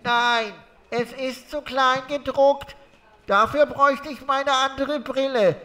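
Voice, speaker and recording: A woman's voice: sits high, fairly even intonation, slow, pushed and bright, heavily acted. A woman voicing a fussy little bespectacled townsfolk creature in a children's audio drama. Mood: fussy, complaining.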